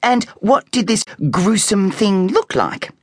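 A storyteller lifting the pitch into a firm, worried mum who will not take no for an answer. She presses with a lively, rising voice in a dry, close recording. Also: slow, breathy edge, dry recording, full character voice. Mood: impatient. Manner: firm and insistent. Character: firm, worried mother of a teenage boy.

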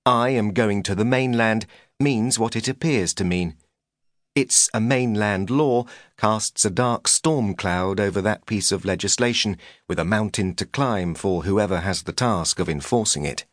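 Low-pitched man narrating, close and dry. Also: unhurried, no room sound. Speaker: audiobook narrator. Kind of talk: scripted narration of a humorous memoir.

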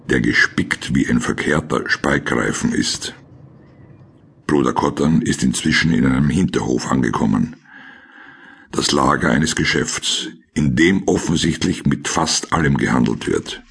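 Ein Mann mit österreichischem Akzent und rauer Stimme, der sachlich und trocken die Szenen eines Krimi-Hörspiels erzählt. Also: male voice, rumbling low. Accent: Austrian. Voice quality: gravelly, husky. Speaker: narrator of a crime audio drama. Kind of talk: scripted scene narration in present tense.

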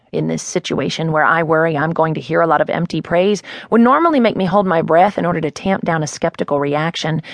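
A woman's voice: lowish voice, creaky, dry recording. A woman narrating a first-person novel in a wry, conversational way on a close studio mic. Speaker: audiobook narrator. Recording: dry studio booth.

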